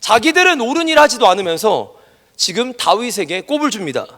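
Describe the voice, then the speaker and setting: A man preaching a sermon as pastor, animated and emphatic, acting out the voices he quotes. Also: high voice, fairly quick. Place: church education hall. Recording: reverberant church hall.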